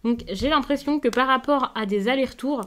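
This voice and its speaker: A woman giving a tarot reading to camera, gentle and reassuring, often pausing with hesitant fillers. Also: high voice, slight background noise. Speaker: tarot card reader.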